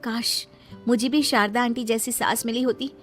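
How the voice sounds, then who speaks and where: A woman voicing a gentle young daughter-in-law who speaks softly and earnestly in a cartoon story. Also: fairly high pitch, steady tone, normal speed, music in the background, lightly acted. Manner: soft, earnest, polite.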